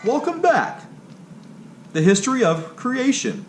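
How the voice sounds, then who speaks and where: A man reading a scripted history narration aloud, somewhat haltingly. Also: very high voice, big pitch swings, soft background music. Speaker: video creator and narrator. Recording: clearly noisy background ambience.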